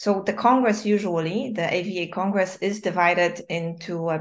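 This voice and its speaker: A woman speaks at a medium pitch with a Polish accent. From Poland, Wrocław. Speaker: veterinary anesthesiologist. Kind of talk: casual interview.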